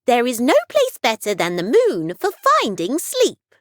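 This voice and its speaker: Woman as a little cheerful fairy, high voice, sing-song, eager, children's storybook. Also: wildly swooping pitch, unhurried, no echo, studio quality. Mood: delighted.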